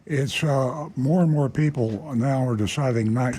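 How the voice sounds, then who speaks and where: A man's voice: medium pitch, a little slow, warm tone. A man on a car radio show answering a caller's question matter-of-factly. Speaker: auto expert. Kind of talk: casual radio advice.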